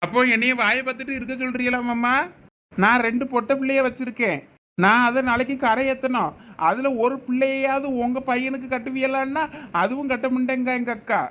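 A man's voice: extremely high pitch, fairly even intonation, fairly quick, sharp tone. A man playing an aggrieved brother with a Thoothukudi accent. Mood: insistent. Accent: Thoothukudi Tamil. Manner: insistent, complaining. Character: aggrieved middle-aged brother demanding his property. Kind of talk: village comedy skit acting.

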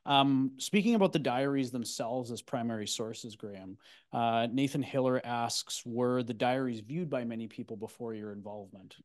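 Man in his thirties moderating questions. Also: medium pitch. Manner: plain, halting with fillers. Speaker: event moderator. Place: meeting room. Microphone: handheld mic.

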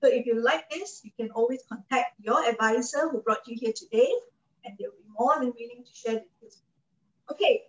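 Chatty Malaysian woman pitching on a video call. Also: roomy sound, far from the mic, dull audio. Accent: Malaysian English. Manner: chatty, persuasive, checks in with "okay?" and "right?". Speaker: cooking show host and product advisor. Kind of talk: product presentation to an online audience. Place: home kitchen, indoors.

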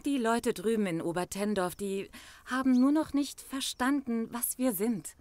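A woman's voice: a little high, moderate pace, darkish tone, no echo, lightly acted. An actress playing a guarded, earnest young woman who runs a farm retreat in a crime radio play. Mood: guarded, defensive. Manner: defensive, earnest. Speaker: actor in crime audio drama. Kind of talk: German crime audio drama acting.

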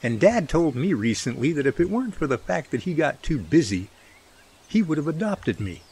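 A man's voice: a little high, big pitch swings, normal speed, a little mellow, slightly rough, full character voice. A man playing an earnest, protective brotherly figure in a radio drama, pleading in a folksy way. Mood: tender, heartfelt.

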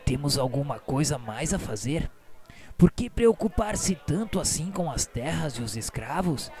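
An actor as a patient, soothing healer, highish voice. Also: male voice, very animated. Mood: gentle, reassuring. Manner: gentle, soothing, measured. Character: patient, kindly male spirit-world healer. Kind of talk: radio novela acting. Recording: music under the voice.

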